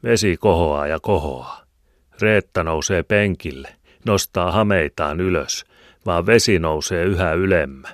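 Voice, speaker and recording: Deep-voiced man reading a novel. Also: no echo, clean studio sound. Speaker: audiobook narrator. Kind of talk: scripted narration.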